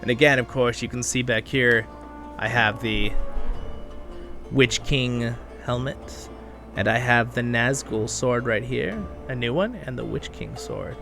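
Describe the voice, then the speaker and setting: A man gives casual, enthusiastic commentary as he plays a game for his channel. He chats to viewers and thinks aloud, in a middle-pitched voice. Music plays clearly behind him throughout. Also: a little slow. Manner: enthusiastic, chatty, thinking aloud while playing. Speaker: host of a gaming channel.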